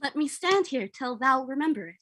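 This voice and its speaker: A man's voice: very high voice, animated, fairly quick, pushed and bright, no room sound, full character voice. A man playing Romeo as an ardent, giddy young lover in an exaggerated live amateur Shakespeare reading. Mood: adoring.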